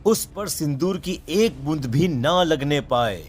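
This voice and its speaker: Man playing a grave, higher-voiced Hindu priest. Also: lively intonation, takes it slowly, a little hiss or hum. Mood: urgent warning. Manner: solemn, ominous, commanding. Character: grave, foreboding male Hindu priest giving warnings. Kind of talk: animated horror story dub.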